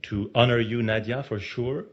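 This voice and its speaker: A man with a French accent giving a formal ceremonial speech as a diplomat, emphatic and measured, with stressed pauses. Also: mid-range voice, steady tone, slight background noise. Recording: muffled lo-fi recording.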